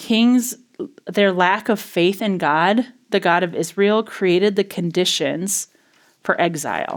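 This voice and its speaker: On a very clean recording with a silent background, a woman speaks at a medium pitch. Her pace is fairly slow, with ordinary pitch variation. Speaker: pastor teaching bible study. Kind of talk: lecture. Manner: casual, enthusiastic.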